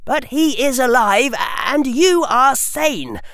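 Man putting on a high, urgent boy wizard. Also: sing-song, takes it slowly, no echo, clean studio sound, exaggerated voice. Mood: urgent, commanding. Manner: forceful, lecturing. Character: cool, precocious young boy wizard.

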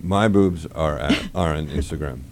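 A man's voice: very deep voice, moderate pace, creaky, darkish tone, slight background noise. A man who produces a podcast, chatting as a guest with dry, self-mocking humor. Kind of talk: casual podcast chat.

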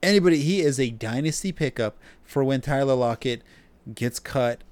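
A man's voice: mid-range voice, lively intonation, normal speed, darkish tone, smooth, no echo. A man co-hosting a podcast in casual chat, giving blunt, emphatic opinions. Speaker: podcast co-host. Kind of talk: casual fantasy football chat.

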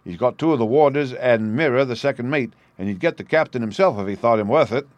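A man's voice: medium pitch, quick pace, no room sound, dull audio, lightly acted. A man doing a swaggering boastful convict ringleader. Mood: scheming. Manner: boisterous, boastful with laughs.

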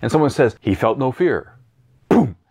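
A man speaking as a guest coach in an interview, animated and repeating key phrases for emphasis. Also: mid-range voice, moderate pace. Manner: animated, acts out voices and sounds. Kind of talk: interview answering questions.

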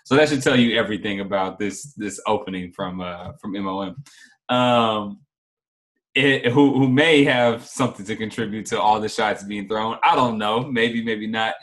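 A man's voice: lowish voice, normal speed, fairly bright tone. Man, podcast host, casual chat, laid-back, laughs a lot. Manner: laid-back, laughs often, stumbles on restarts.

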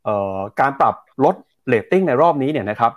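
A man's voice: medium pitch, expressive, quick pace, no room sound, clean studio sound. A man hosting a morning business news show, presenting figures in a polite, formal manner. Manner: polite, formal, frequent polite particles.

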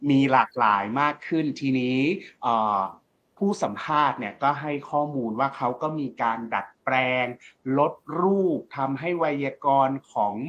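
A man co-hosting a casual talk show, explaining things in a relaxed way with frequent hesitations. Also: mid-range voice, muffled recording. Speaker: co-host. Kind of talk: casual discussion podcast.

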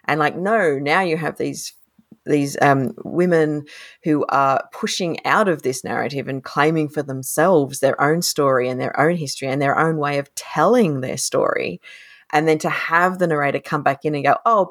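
An Australian woman co-hosting a podcast, talking through a novel in a thoughtful, animated way and laughing often. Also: sits low, moderate pace. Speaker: podcast co-host, critic. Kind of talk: casual book discussion.

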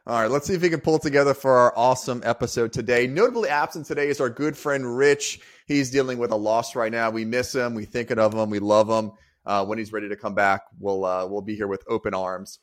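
A man's voice: mid-range voice, steady tone, a little fast. A man co-hosting a business podcast, talking upbeat and casual with a few fillers. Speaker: podcast co-host.

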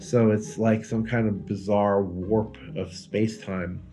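Low-voiced man, casual podcast storyteller. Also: fairly even intonation, takes it slowly, mellow, faint music behind. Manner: profane, informal, emphatic. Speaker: podcast co-host.

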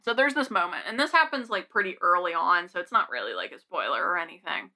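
A young woman chats casually as a podcast co-host. Her voice is bright with a lot of vocal fry, and she rambles in a giggly way. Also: fairly low pitch, expressive, quick pace. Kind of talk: casual chat.

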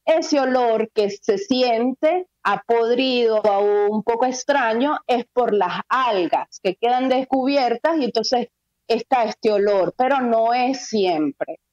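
A woman's voice: on the high side, slow, darkish tone, dry recording. Hesitant Venezuelan woman on a muffled line. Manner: hesitant, many fillers and restarts. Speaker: guest. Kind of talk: casual radio interview.

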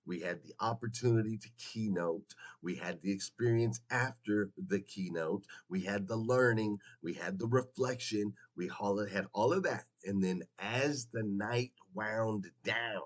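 A man hosting a motivational morning livestream, hoarse as if losing his voice, talking emphatically and chattily straight to his listeners and repeating phrases for effect. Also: lowish voice, a little slow, hardly any pauses. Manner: folksy, chatty direct address to listeners. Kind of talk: motivational live talk to an audience.

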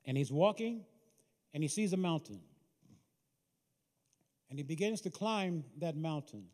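Man preaching, lively rising and falling pitch, warm mellow voice, emphatic storytelling sermon. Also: a little slow. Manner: animated, emphatic, swings between soft and loud. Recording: reverberant hall.

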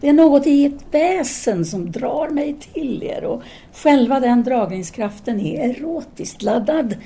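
Actress doing a brooding parisian intellectual woman, soft mellow voice, formal and earnest, radio drama style. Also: high voice, lively intonation. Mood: probing, earnest. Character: Castor, intellectual Parisian woman, candid, brooding, devoted lover. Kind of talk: audio drama acting, formal literary dialogue.

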